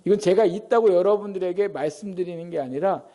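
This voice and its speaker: A middle-aged male pastor preaching a sermon in a lively way, often asking the congregation questions. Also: high voice, fast.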